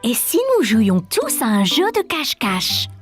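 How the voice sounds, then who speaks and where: Slow, lilting, kindly cartoon mum. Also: female voice, fairly high pitch, sing-song. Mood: encouraging. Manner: gentle, reassuring, encouraging. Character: kind, encouraging young mother. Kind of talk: children's cartoon dubbing. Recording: faint music under the voice.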